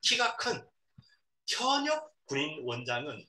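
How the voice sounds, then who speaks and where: A middle-aged man with a slightly high, pushed, bright voice and huge pitch swings reads a novel to his son. He regularly breaks off to explain words simply to the child and acts out the quotations. The sound is echoey and faintly noisy, recorded a bit far from the mic.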